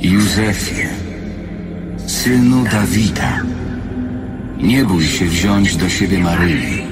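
Deep, slow, solemn angel man. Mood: solemn, reassuring. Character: solemn male angel of the Lord, reassuring. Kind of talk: biblical radio drama. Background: loud dramatic music.

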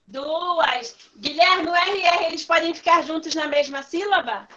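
A woman's voice: very high voice, measured pace, a bit bright, lo-fi sound. A woman, teaching a class online and patiently coaxing her pupils by name with repeated questions. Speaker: primary school teacher.

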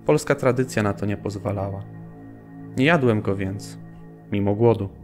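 An actor playing a principled prisoner in a subdued radio documentary drama monologue. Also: male voice, fairly low pitch, moderate pace, soft background music, natural voice. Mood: subdued, resolute. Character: principled, subdued male prisoner refusing food despite hunger.

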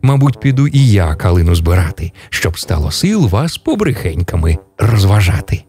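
Animated male fairy-tale narrator. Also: deep voice, normal speed, faint music behind. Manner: animated, sing-song storytelling. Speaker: radio storyteller. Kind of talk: fairy tale reading for children.

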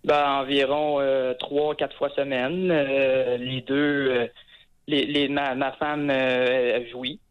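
A young man with a Quebec French accent calls in, speaking at a middle pitch, haltingly and full of fillers as he restarts his sentences. His voice comes through a dull, muffled phone line. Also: little pitch movement, clean tone. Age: 20s. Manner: hesitant, many fillers and restarts. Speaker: caller. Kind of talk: phone-in call on a talk show.

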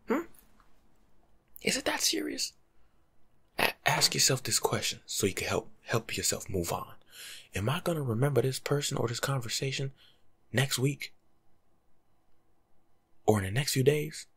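Young adult American male, husky half-whispered ASMR monologue, lively swings in pitch, casual street-slang delivery. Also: moderate pace, pauses often. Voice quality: breathy, often dropping to a whisper. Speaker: ASMR video creator. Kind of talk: ASMR role-play monologue, casual life-coach advice. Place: small room at home, indoors.

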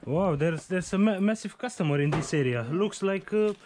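A man's voice: high-pitched, moderate pace. Chatty Romanian-accented man on a body cam. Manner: friendly, chatty broken English, laughs along. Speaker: delivery driver. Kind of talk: casual chat while working. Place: outdoors and in a small shop stockroom. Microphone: body-worn action camera. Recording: noisy body-cam audio.

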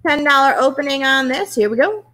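Brisk middle-aged woman calling auction bids. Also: sits high, expressive, pushed and bright. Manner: brisk rhythmic bid calling. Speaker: auction host. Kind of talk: live online auction calling. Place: home room, indoors.

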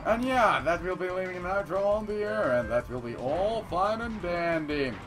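Over background music, a non-native English-speaking man commentates his own gameplay in a playful, rambling let's play style. His high-pitched voice is expressive and moves at a normal speed, and he repeats phrases and breaks into loud declarations.

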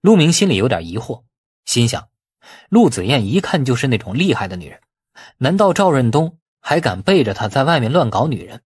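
A man reading a novel aloud as expressive scripted narration. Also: mid-range voice, fairly quick, husky, no room sound, clean studio sound. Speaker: audiobook narrator.

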